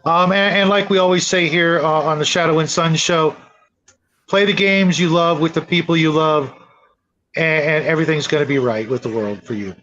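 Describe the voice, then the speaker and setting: Male livestream host, high-pitched, halting and repetitive casual chat, dull lo-fi sound. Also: fairly bright tone. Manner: hesitant, repeats words. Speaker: show host.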